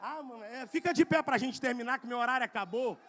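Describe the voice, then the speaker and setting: Brazilian male preacher, very high and bright voice, fiery sermon that shifts between quiet asides and shouted, repeated calls to the congregation. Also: fast, some chatter behind, slight background noise. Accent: Brazilian Portuguese. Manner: swings between soft asides and loud shouting.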